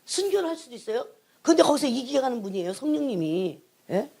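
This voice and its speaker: Woman preaching, middle-aged, emphatic and insistent, fairly high voice, gravelly fry. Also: very animated, fast. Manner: emphatic, prods the congregation with repeated "예?"; swings between raised emphasis and hushed asides. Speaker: church evangelist, prayer team leader. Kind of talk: sermon.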